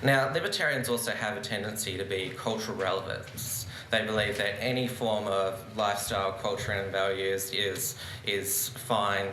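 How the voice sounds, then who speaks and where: A young man with a lowish, bright, forceful voice delivers an earnest, argumentative debate speech at normal speed with few pauses, gesturing as he talks. He speaks into a stand-mounted lectern microphone in a large conference room before a seated audience, and the hall echoes with slight background noise.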